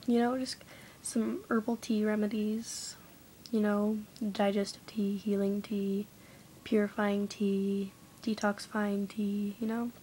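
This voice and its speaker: A woman's voice: mid-range voice, flat delivery, takes it slowly, warm tone, a little hiss or hum, rough recording. A young woman vlogging at home, rambling casually with lots of fillers and often slipping into a half-whisper. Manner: chatty, rambling, many "like" fillers. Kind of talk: casual vlog chat. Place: dim room at home lit by candles.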